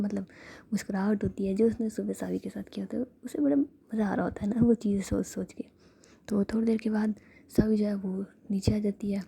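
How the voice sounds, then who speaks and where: A woman narrating a story in a soft, steady whisper. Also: mid-range voice, creaky, slightly rough.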